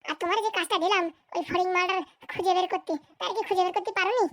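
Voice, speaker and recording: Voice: extremely high pitch, steady tone, very fast, fairly bright tone, no echo. A performer voicing a scheming, bossy village madam in a comedy cartoon, with scolding, boastful colloquial chatter. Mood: dismissive, scheming. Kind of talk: exaggerated cartoon comedy dialogue.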